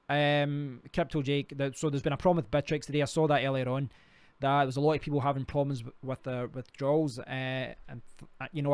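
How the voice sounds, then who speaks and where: A man's voice: medium pitch, a little mellow, clear, resonant tone, dry recording. A Scottish man hosting a casual live stream, rambling and talking to himself while clicking through sites. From Scotland. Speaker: crypto livestream host.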